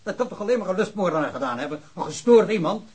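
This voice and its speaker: An actor playing an indignant, argumentative policeman with a husky voice in a radio drama. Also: high voice, big pitch swings, fast, a little mellow, heavily acted. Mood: incredulous. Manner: argumentative, reproachful. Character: indignant local policeman, convinced the case is closed.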